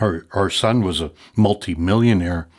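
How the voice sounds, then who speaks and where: In a very clean recording with a silent background, a man speaks with a Chicago accent. His pace is fairly slow and his intonation fairly even. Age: 70s. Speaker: fire department chaplain and priest. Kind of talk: casual interview. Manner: halting.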